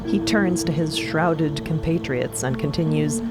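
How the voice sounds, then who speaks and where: A woman's voice: low-pitched, a little slow. A woman narrating a scripted audio drama in a conversational, wry storytelling manner. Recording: loud music behind the voice. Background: loud music.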